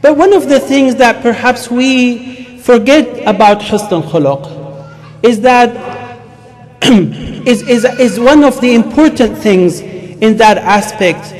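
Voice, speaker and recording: A man in his thirties with an Arabic accent preaches as an imam, emphatic and halting, repeating words as he goes. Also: very high-pitched, expressive, darkish tone. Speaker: imam giving a Friday sermon. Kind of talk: sermon with Arabic recitation and English explanation. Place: mosque, speaking from a wooden pulpit.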